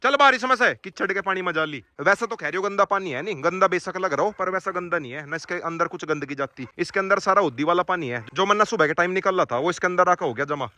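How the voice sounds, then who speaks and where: A man, talking casually to his viewers while he walks his dog farm and shouts to his dogs. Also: sits high, expressive, quick pace, hardly any pauses. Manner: calls out loudly to his dogs. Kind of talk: casual vlog commentary.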